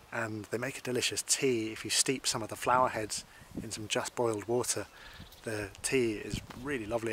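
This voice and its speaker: A Scottish foraging instructor in his forties explains wild plants to camera outdoors beside hedges, his medium-pitched voice calm and unhurried. Faint outdoor noise can be heard in the recording.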